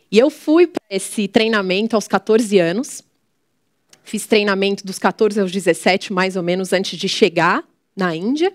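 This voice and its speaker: A woman's voice: mid-range voice, no echo, clean studio sound. A woman, a missionary guest, tells her personal testimony earnestly and often tags her sentences with "né". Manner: earnest storytelling with frequent "né".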